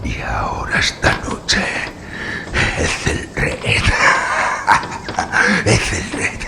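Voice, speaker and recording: An actor playing a mad, terror-stricken nobleman in a gothic radio horror drama, halting and feverish, with a gravelly, whispery voice. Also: heavy background noise. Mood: feverish dread. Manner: halting, feverish, breathless declamation.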